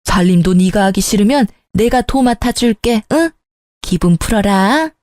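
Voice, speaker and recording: A woman's voice: mid-range voice, animated, normal speed, a little mellow, dry recording, studio quality, close to an everyday voice. A woman voicing a scheming middle-aged mother-in-law who turns from indignant to fawning, fussy and wheedling.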